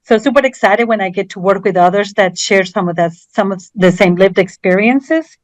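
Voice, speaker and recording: A woman's voice: medium pitch, moderate pace, no echo. Earnest Colombian-born woman, dry sound. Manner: earnest, repeats words while finding them. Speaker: guest, university diversity educator. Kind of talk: casual panel talk.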